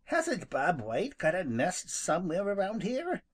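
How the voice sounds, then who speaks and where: A storybook narrator voicing a sly, good-natured male skunk who teases in a slow drawl. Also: medium pitch, wildly swooping pitch, slightly rough, pitched above the performer's own voice, heavily acted. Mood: teasing.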